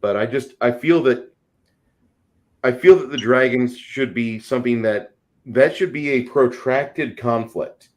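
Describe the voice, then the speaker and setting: A man's voice: mid-range voice, measured pace. A man speaking casually and at length as a panelist, opinionated and emphatic in the way he explains things. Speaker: panelist and game master. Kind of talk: casual discussion.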